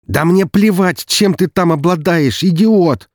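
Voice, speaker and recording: Audiobook: male reader as a yelling, exasperated older brother, pitched up and loud, husky timbre. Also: huge pitch swings, fairly quick, no echo, clean studio sound. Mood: furious shouting. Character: furious older brother, young man, shouting.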